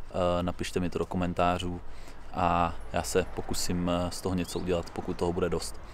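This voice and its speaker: A young man speaking casually to a camera held at arm's length outdoors, upbeat and relaxed, with frequent hesitation sounds. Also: low voice, a little hiss or hum. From Czech Republic. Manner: relaxed, upbeat, many "eh" fillers. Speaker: pro mountain biker vlogger. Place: outdoor dirt jump park. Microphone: action camera at arm's length.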